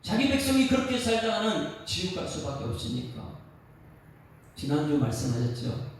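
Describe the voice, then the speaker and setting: Korean pastor preaching in an echoey hall. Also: male voice, high voice, big pitch swings, normal speed, a little hiss or hum. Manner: emphatic, rhetorical questions to the congregation, sings a line. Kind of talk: dawn service sermon. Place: church sanctuary. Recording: echoey church hall from a distance, faint ambience.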